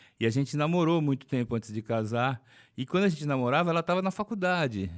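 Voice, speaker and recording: This is a man's voice. His intonation is lively. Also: very clean recording, silent background. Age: 60s. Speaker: film composer. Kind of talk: podcast interview. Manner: talkative.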